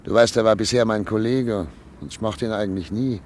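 A man's voice: on the low side, fairly even intonation, a little fast, close to an everyday voice. An actor playing a thoughtful, anxious doctor and father of thirty-nine in a radio drama, speaking earnestly and articulately. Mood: uneasy. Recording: noisy old radio play recording.

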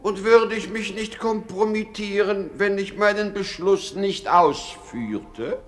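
Radio play king: old, high-pitched, slow, pompous, scatterbrained, melodramatic. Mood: pompous, resolute. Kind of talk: theatrical German radio play acting.

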